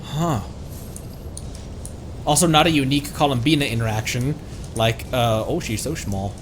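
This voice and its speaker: A man's voice: medium pitch, moderate pace, slight background noise. A man streaming a video game, chatting casually and thinking aloud as he plays. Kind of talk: casual livestream game commentary. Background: faint game music.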